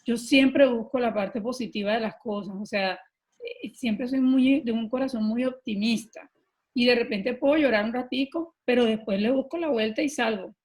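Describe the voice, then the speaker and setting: A middle-aged Colombian woman telling her own story as a podcast guest, earnest and animated, often pausing with filler words. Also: a little high, poor audio. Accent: Colombian Spanish. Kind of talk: personal storytelling in an interview.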